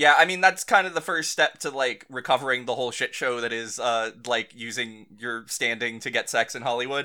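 A man with a normal speaking voice at a medium pitch, fairly quick with hardly any pauses and ordinary pitch variation, in a very clean recording with a silent background. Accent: American. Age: 30s. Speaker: podcast host. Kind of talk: casual chat.

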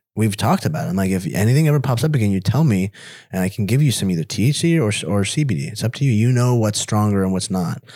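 On a very clean recording with a silent background, a man with a Southern California accent speaks in a dark, mellow tone with lively intonation. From Orange County, California. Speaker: former professional fighter. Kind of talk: casual chat. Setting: studio.

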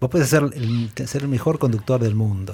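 A man's voice comes through somewhat breathy with a dark, mellow tone. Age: 50s. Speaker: former radio host and producer. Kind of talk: interview.

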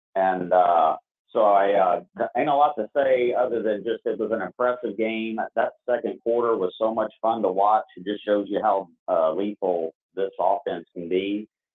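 An unremarkable speaking voice from a man with an American accent, fairly low in pitch, ordinary in pitch variation, at a moderate pace. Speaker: caller. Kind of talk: casual chat. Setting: phone call.

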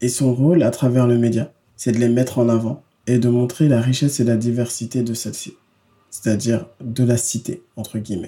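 The voice is somewhat breathy with a dark, mellow tone and moves at a moderate pace. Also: man, medium pitch for a man. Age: 30s. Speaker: podcast host, trained social educator. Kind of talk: interview.

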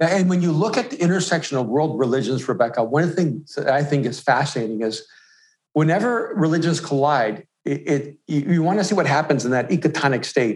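The man talks at a fairly quick pace. His voice is fairly high-pitched and somewhat breathy. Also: lively intonation, quiet background. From El Salvador. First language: Spanish. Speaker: pastor and author. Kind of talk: interview conversation.

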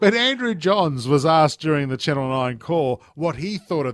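With an Australian accent, this voice moves at a moderate pace and has lively intonation. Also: man. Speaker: sports podcast host. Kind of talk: casual chat.

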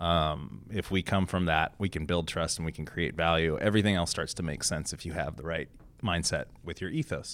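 A man speaks at a very deep, low pitch and a fairly quick pace. The recording is very clean, with a silent background. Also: fairly even intonation. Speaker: agency CEO. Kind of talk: interview.

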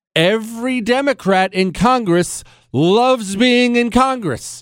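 Speaking at a fairly slow pace in an American accent, a man with an extremely high voice uses lively intonation, recorded very cleanly against a silent background. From US West (Montana). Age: 40s. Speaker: political talk show host. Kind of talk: political talk commentary. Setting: studio. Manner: animated; sarcastic.

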